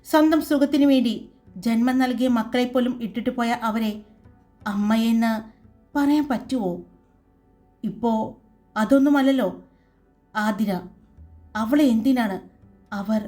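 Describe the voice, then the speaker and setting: A woman voicing a grieving young woman in a storybook tale, speaking low with a trembling voice. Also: measured pace, pauses often, a little mellow, soft background music, lightly acted. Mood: bitter grief. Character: grieving young woman recalling her absent mother.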